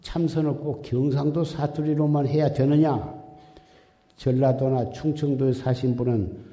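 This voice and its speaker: Slow, dark-voiced man preaching in an echoing hall. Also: mid-range voice, steady tone. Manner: exhorting, repetitive, admonishing. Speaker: Buddhist dharma teacher. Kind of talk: Buddhist sermon. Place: temple dharma hall. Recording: echoey hall with long reverb.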